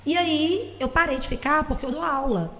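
A woman, a teacher and football fan, telling stories in a casual chat, animated and swearing freely. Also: high voice, moderate pace. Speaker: guest. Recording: hall reverb.

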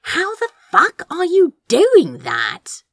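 A woman's voice: very high-pitched, huge pitch swings, takes it slowly, dry recording, studio quality, voice pushed up, heavily acted. A woman voicing a wry, vengeful male sorcerer in a fantasy story reading. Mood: incredulous. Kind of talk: expressive fan fiction character reading.

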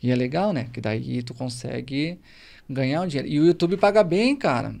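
A man, a zumba instructor guest, telling stories in a lively way and acting out dialogue. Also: medium pitch, moderate pace, vocal fry. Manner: lively, acts out quoted dialogue. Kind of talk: animated storytelling in conversation.

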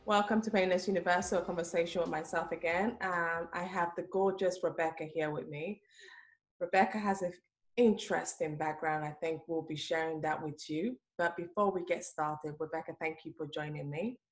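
A woman hosting an interview show, asking questions in a halting, self-correcting way. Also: fairly low pitch, fairly even intonation. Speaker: host.

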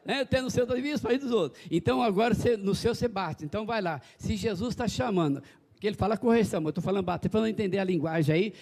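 Man, pastor, high voice, folksy animated sermon. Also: very fast, vocal fry. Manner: folksy, animated preaching with calls to the congregation. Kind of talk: evangelical sermon.

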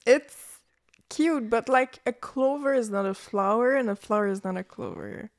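A young woman co-hosting a podcast in casual chat, blunt with quick reactions. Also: a little high. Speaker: podcast co-host.

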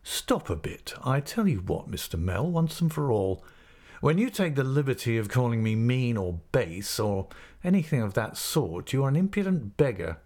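A haughty schoolboy bully from a storybook as a male narrator puts him on. He is coolly insolent, with a wide-swinging pitch. His retorts are drawn out and full of contempt. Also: very animated, moderate pace, a little mellow. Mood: scornful.

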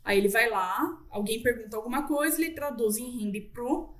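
A woman telling stories as an interview guest, in a chatty, animated way with lots of fillers. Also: on the high side, normal speed, distant mic. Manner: chatty, animated, frequent fillers and quoted asides. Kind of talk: casual interview storytelling.

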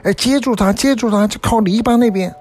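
A man voicing a fussy, bossy male white rabbit in a storybook reading, giving shrill, hurried commands. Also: darkish tone, soft background music, lightly acted.

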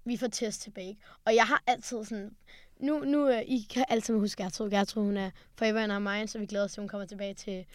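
A teenage girl co-hosting a podcast, telling rambling, animated stories in casual chat. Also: mid-range voice, no room sound, clean studio sound. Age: late teens. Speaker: podcast co-host. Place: studio.

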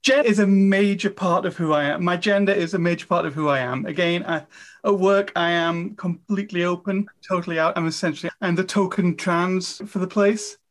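A woman's voice: fairly low pitch, steady tone, brisk. Woman, 50s, guest on an interview show, chatty and self-deprecating, lots of enthusiasm. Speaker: author and guest. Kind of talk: casual interview chat.

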